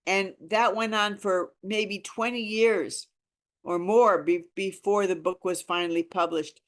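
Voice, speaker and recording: A woman's voice: mid-range voice, fairly even intonation, a little slow. A woman in her sixties talking informally and earnestly to a discussion group, with emphatic phrasing. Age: 60s. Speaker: reading group leader.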